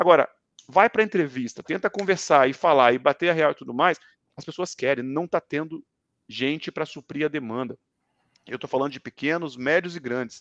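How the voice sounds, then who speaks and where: In a dry, close sound with no echo and a quiet background, a man with an unremarkable speaking voice talks at a fairly quick pace with ordinary pitch variation and big swings in loudness. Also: fairly high pitch for a man. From interior of Rio de Janeiro state, Brazil. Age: 40s. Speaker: tech speaker and author. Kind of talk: conference talk in a live-streamed chat.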